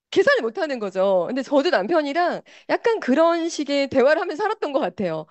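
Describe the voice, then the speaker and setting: A woman giving a motivational sales seminar talk, animated and constantly turning to the audience with rhetorical questions. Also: mid-range voice, no room sound. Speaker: business seminar presenter.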